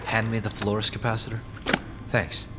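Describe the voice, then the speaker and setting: A man's voice: on the low side, completely flat delivery, normal speed, heavy background noise, natural voice. An actor playing a friendly, practical, curious male technician in an audio drama. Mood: businesslike. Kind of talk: audio fiction acting. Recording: long reverb with music behind.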